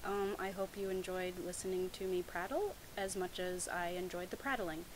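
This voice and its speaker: A woman's voice: fairly low pitch, steady tone, normal speed, background noise. A young adult woman hosting a mocking read-aloud of fan fiction, with sarcastic, incredulous asides. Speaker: host of a comic fan fiction reading series.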